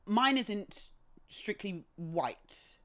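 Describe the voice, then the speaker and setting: A woman from England with a British accent, speaking as a guest in a casual conversation and telling her stories in an articulate, expressive way. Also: mid-range voice, very slow. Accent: British English. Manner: articulate, expressive, animated storytelling.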